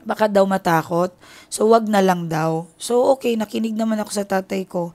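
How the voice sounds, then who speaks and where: A Filipina tarot reader talks straight to her viewers in a candid, confiding voice. Her pitch sits in a middle range, and she strings her story together with many filler connectors. The delivery is casual and unscripted. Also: moderate pace, mellow.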